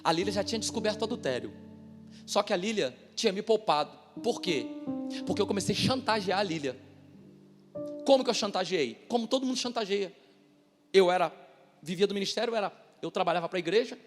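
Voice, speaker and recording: A man, a pastor giving a testimony at a church service, telling his story emphatically with loud outbursts and hushed asides. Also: high voice, animated, quick pace, pauses often, in a large hall, faint music behind.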